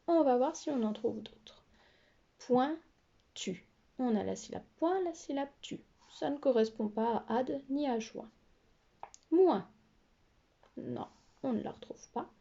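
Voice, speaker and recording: A woman teacher giving a slow, careful phonics lesson to young pupils, spelling out letters and syllables. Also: fairly high pitch, warm tone, dull audio. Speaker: primary school teacher.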